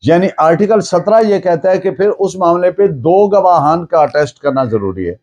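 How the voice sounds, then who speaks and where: A man with a Pakistani accent lecturing on law in a didactic, deliberate way, restating points in plain words and mixing in English terms. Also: high voice, expressive, darkish tone, dull audio.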